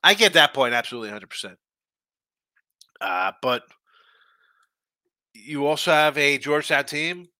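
A congested, stuffy-nosed man hosts a sports betting show, casually chatting on a live stream while reading viewer comments, loose and talkative with frequent restarts and asides. His voice is on the high side, animated and sharp, at a normal speed with frequent pauses. The studio-quality audio has no echo.

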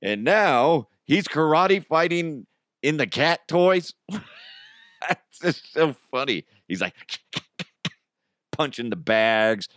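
A man's voice: on the high side, very animated, very slow, long pauses, a bit bright, no echo. Casual American man hosting a podcast, dry sound. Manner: informal, slangy, conversational; chuckles through his own remarks. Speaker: podcast host. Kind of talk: casual solo comedy podcast chat.

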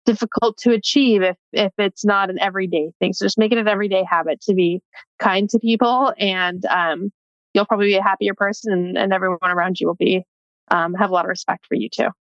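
A woman's voice: medium pitch, fairly even intonation, fast talker, no echo. Chatty woman on a dull, dry line. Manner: chatty, many "like" fillers, laughs easily. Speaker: sports reporter, guest. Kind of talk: casual interview chat.

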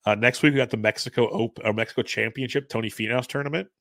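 A man co-hosts a casual sports betting podcast while sick and under the weather, chatting in a loose, rambling way and chuckling often. His medium-pitched voice is gravelly and a bit bright, with fairly even intonation and a quick pace. There's no echo.

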